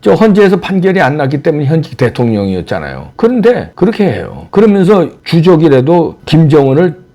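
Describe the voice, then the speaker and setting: A man's voice: on the high side, wildly swooping pitch, a little fast, warm tone. Combative man, mocking political commentary. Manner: combative and mocking, full of rhetorical questions. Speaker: political commentary channel host. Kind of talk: solo political commentary monologue.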